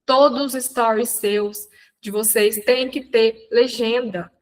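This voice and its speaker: A woman's voice: fairly high pitch, slow pace, low-quality recording. Chatty Brazilian woman mentoring live. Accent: Brazilian Portuguese. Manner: chatty, animated, addresses audience directly. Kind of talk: live online talk.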